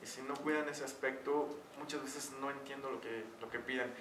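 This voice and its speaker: A man's voice: mid-range voice, fairly even intonation, moderate pace, fairly bright tone. A man with a Mexican accent giving an online tutoring session as teacher, talking in a chatty way full of fillers. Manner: chatty, uses many fillers. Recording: echoey room, distant mic, noisy.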